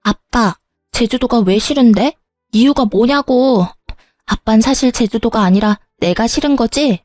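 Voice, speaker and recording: A stubborn young schoolgirl pleads and talks back in a whiny, defiant voice, played by a woman. Her pitch sits fairly high, and the sound is dry and close with soft music underneath. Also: measured pace, no echo, natural voice.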